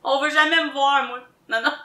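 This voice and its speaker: A woman's voice: sits high, fairly even intonation, fairly quick, sharp tone. A woman with a Québécois French accent co-hosting a knitting podcast in casual chat, hesitant and stumbling over her words but enthusiastic. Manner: hesitant, many fillers and restarts, enthusiastic. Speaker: podcast co-host. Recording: roomy echo.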